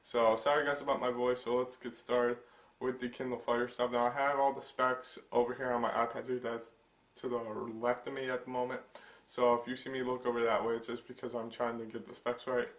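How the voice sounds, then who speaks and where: A young man talks through a gadget overview for his channel, his voice stuffy from a lingering cold. He rambles with lots of fillers and restarts, and his pitch stays flat and level throughout. The room around him sounds echoey. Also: a little fast. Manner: rambling, filler-heavy, hesitant. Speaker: tech channel host. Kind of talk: casual product overview vlog.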